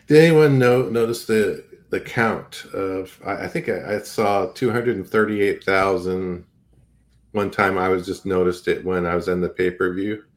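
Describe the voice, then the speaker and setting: A man with a low voice co-hosts a casual live podcast. He talks hesitantly, restarting and circling back mid-thought. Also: fairly even intonation, a little slow. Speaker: podcast co-host.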